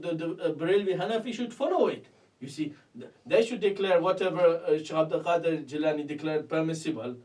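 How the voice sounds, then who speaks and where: A high-voiced man with a South Asian accent delivers a religious lecture. He speaks haltingly and circles back over his points. The microphone sits some distance from him in a room. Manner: halting, repetitive, punctuates with "you see". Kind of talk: religious lecture, extemporaneous commentary on texts. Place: indoors at a desk in a small curtained room.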